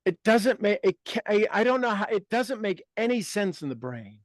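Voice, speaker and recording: A man's voice: high-pitched, very animated, normal speed, no echo, clean studio sound. A man in his fifties hosting a motivational group talk, emphatic and repeating his key phrases. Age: 50s. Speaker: host and coach.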